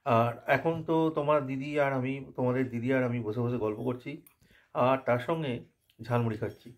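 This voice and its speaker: Guy vlogging from home, bit hoarse from a cold, easygoing chat with viewers. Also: mid-range voice, a little fast. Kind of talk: casual home vlog chat.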